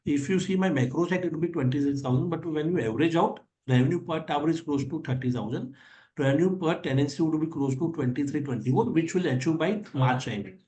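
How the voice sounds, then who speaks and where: A man's voice: on the high side, a little mellow. A man with an Indian accent, a company executive answering analyst questions on an earnings call in an explanatory way, repeating his points. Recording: echoey conference call audio.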